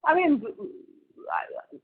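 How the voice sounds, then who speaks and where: A woman with an Indian accent answering questions as a company executive on an earnings call, in a halting, conversational way. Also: high voice, huge pitch swings. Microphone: telephone. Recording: muffled narrow phone conference line.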